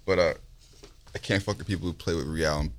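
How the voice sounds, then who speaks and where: Young man, low-pitched voice, casual frat-bro slang, conversational, peppered with "like". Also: fairly even intonation, fast talker. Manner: slangy frat-bro talk, frequent profanity and "like". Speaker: interview guest, touring recording artist. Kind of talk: casual chat.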